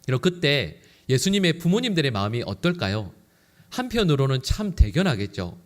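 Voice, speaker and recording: A man's voice: medium pitch, moderate pace. A male pastor preaching a Sunday sermon in church, asking his congregation rhetorical questions and acting out quoted lines. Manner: animated, acts out quoted lines. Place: church sanctuary.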